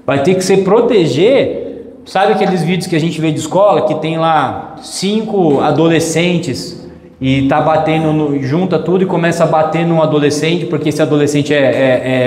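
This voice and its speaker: A pastor with a Brazilian Portuguese accent preaches an emphatic sermon, repeating phrases and acting out the voices he quotes. His voice is a little high with a darkish tone, and the echoey church hall adds a long reverb.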